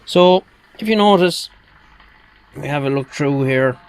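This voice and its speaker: A man's voice: fairly high pitch, a little slow, background noise. A man talking casually through a radio repair demonstration at his workbench, rambling with lots of fillers. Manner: rambling and conversational, with many fillers.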